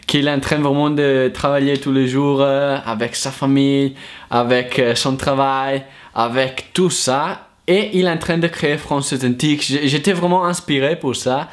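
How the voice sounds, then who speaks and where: A man's voice: mid-range voice, steady tone, normal speed. A man from Italy with an Italian accent, speaking French as a second language in a casual, hesitant monologue full of fillers and restarts. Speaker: language learner vlogger. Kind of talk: casual thank-you monologue.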